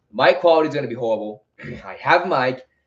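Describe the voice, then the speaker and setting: Here a man is speaking. His pace is very fast. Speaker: streamer and vocal coach giving scream tips. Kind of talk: livestream Q&A tutorial. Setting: livestream. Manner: casual, filler-heavy. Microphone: poor mic quality, no good interface.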